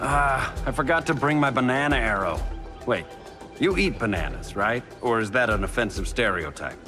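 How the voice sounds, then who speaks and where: An actor playing a cocky, wisecracking archer hero in a game, speaking in sarcastic quips. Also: male voice, medium pitch, very animated, normal speed, close to an everyday voice. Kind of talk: video game cutscene acting. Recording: voice over loud game music.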